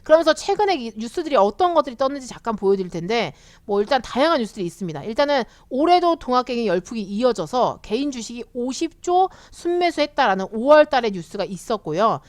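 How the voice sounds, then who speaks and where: Chatty woman teaching the stock market, fairly high and very expressive voice, acts out quotes. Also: quick pace, few pauses, no echo. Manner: chatty, animated, acts out quotes of eager retail investors. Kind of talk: casual explanatory lecture.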